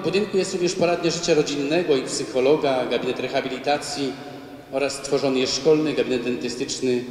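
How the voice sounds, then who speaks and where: A man, a parish priest, giving a slow formal address to a congregation in a church. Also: medium pitch. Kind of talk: speech to a congregation. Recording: echoey church from far off.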